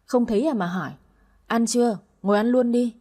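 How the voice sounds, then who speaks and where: A woman's voice: on the high side, brisk, warm tone, close to an everyday voice. A woman voicing a cold, scheming older mother-in-law who talks curtly and dismissively in a narrated story. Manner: curt, dismissive.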